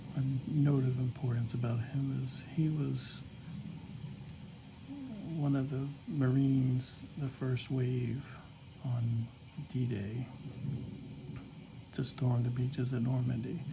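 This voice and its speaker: A soft-spoken man whispers at a very slow pace, with long, frequent pauses. Background noise is noticeable. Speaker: ASMR creator, fountain pen hobbyist. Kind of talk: ASMR whisper talk while writing. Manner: whispered, soft-spoken.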